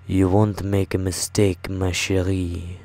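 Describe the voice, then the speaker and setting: A man voicing a gentle, courtly French nobleman, fatherly and wise, speaking softly in measured phrases. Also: deep voice, level tone. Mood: tender.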